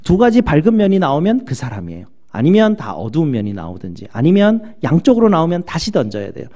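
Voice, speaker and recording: Pastor guy preaching in church, voice jumps all over, warm mellow tone, big loud bits then low asides. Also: fast talker, lo-fi sound. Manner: animated preaching that swings between loud acted outbursts and low asides. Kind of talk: sermon.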